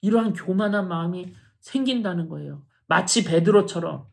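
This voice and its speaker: A woman's voice: on the low side, moderate pace, vocal fry, a little mellow. A middle-aged woman pastor preaching a sermon in an earnest, emphatic way, often addressing the congregation directly.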